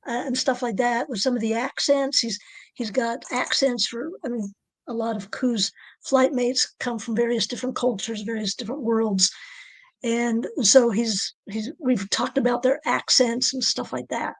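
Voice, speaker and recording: Lady author chatting on a podcast, low alto voice but a touch high, soft and halting, dry mic. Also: steady tone, husky, no echo, rough recording. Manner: soft-spoken, halting, with light laughs. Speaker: author guest. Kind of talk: casual podcast interview.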